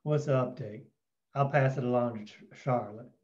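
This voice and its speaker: A man's voice: medium pitch, normal speed, darkish tone, lo-fi sound, natural voice. A man voicing a guarded male shopkeeper with curt replies at a table read.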